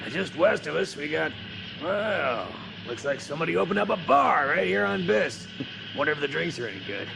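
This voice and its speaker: A man playing a wry, easygoing spaceship copilot in an audio drama, with a gravelly voice and folksy manner. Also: fairly high pitch, big pitch swings, moderate pace, background noise, full character voice. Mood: wry, relaxed. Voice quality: gravelly, creaky.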